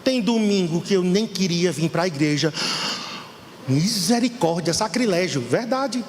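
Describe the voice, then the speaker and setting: A man's voice: sits high, lively intonation, measured pace, long reverb tail, slight background noise. A middle-aged Brazilian man preaching a fervent sermon to his congregation as pastor. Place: church hall.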